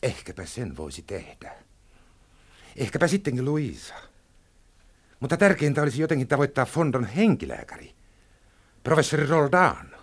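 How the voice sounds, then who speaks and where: Scheming opposition chief, lively intonation, radio drama. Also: male voice, medium pitch, breathy edge, heavily acted. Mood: tense. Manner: measured, deliberate. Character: calculating male opposition leader, cautious and shrewd. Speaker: opposition leader. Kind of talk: 1960s radio drama acting.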